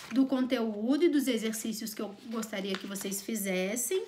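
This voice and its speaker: A woman speaks at a moderate pace. Echo from the room can be heard. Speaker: teacher. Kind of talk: lecture. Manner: animated.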